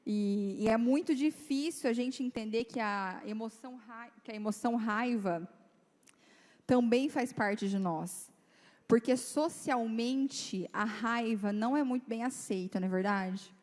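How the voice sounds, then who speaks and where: Young female youth speaker, lively and conversational, slightly high pitch, reverberant church hall. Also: unhurried. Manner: lively, chatty, acts out dialogue in quoted voices. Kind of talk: informal talk to teenagers.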